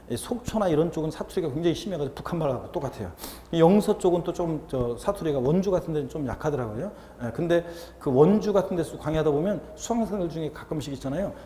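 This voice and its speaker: Seoul guy teaching tax law, rambly jokey lecture, stuffy nose, kinda mellow voice, boomy room. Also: slight background noise. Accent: Seoul Korean. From Seoul, Korea. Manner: chatty, jokey, mimics dialects. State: slightly stuffy, with a runny nose. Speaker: real estate tax lecturer. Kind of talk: classroom lecture with digressions. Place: lecture classroom. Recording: roomy, reverberant classroom with faint ambience.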